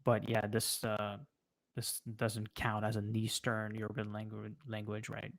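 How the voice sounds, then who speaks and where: A man with a French accent, a native French speaker, chatting casually on a livestream and answering viewers in a halting way, often pausing mid-sentence. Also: on the low side, completely flat delivery, gravelly. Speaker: livestream host.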